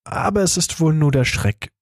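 A man's voice: a little high, expressive, normal speed, dry recording, clean studio sound, voice pushed up. A man voicing a hurt, helpless father who speaks soothingly and apologetically, in an audiobook reading. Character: injured father, gentle and helpless.

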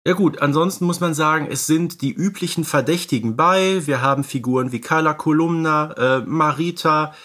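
A man's voice: a little high, normal speed, hardly any pauses, fairly bright tone. A man co-hosts a podcast, casually explaining and discussing films in a conversational way. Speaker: podcast co-host.

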